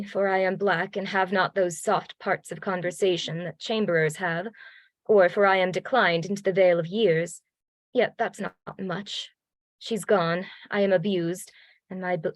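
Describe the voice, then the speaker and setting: A woman's voice: fairly low pitch, steady tone, moderate pace, dry recording, close to an everyday voice. Woman as proud middle-aged general, jealous, earnest, Shakespeare read-along, dry sound. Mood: anguished, bitter.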